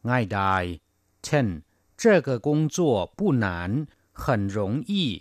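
A man teaching vocabulary on a radio language lesson, saying example phrases clearly and then explaining them. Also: very animated, no echo, studio quality. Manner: reads words slowly then translates, lifting pitch on example phrases.

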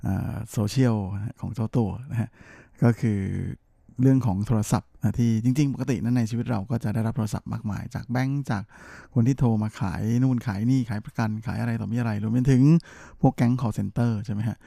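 Gravelly, playful male radio host. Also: mid-range voice, fairly even intonation, a little fast, mellow, no echo, clean studio sound. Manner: playful teasing with frequent laughs; filler-heavy, chatty delivery. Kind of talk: chatty entertainment news segment.

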